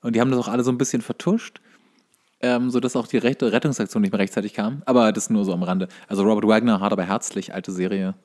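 A man's voice: fairly low pitch, fairly even intonation, quick pace, darkish tone. A man bantering casually as a podcast co-host.

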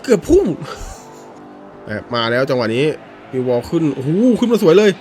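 Excitable man yelping over football game. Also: fast, soft background music. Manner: shouty, swings between low mutters and high yelps; casual, swears at the game. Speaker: gaming YouTuber. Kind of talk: excited gameplay commentary.

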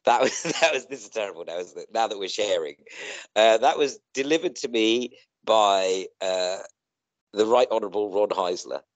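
A middle-aged man with a fairly low voice talks casually on a video call. He rambles and halts, circling back over his own phrases, and the sound is close and dry with little room in it. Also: animated, moderate pace, no room sound, rough recording. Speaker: co-host in a two-person online chat.

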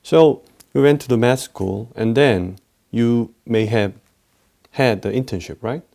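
A middle-aged man from South Korea with a Korean accent, asking curious interview questions and often giving small acknowledgments. He speaks in a quiet room with curtains. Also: medium pitch, measured pace, vocal fry. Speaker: urologist interviewer.

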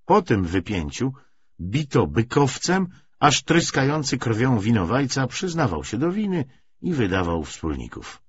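A man reading literary prose aloud as an audiobook narrator, with a husky voice. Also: mid-range voice, sing-song, a little slow, muffled recording.

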